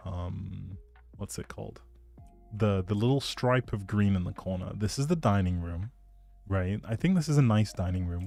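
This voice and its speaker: Male game streamer, lowish voice, casual and playfully rambling delivery, music underneath. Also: mellow. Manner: playful, self-deprecating, rambling. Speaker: streamer, host. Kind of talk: casual livestream chat, showing a game build.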